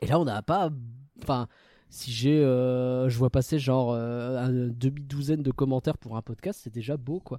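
Recorded very cleanly against a silent background, with a dry, close sound and no echo, a man speaks at a moderate pace in a dark, mellow tone, medium pitch and fairly even intonation. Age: 30s. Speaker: podcast co-host. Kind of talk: casual film review chat.

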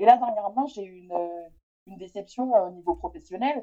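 Her tone dark and mellow, a woman speaks at a fairly quick pace with lively intonation. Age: 30s. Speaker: communications professional. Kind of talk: casual chat.

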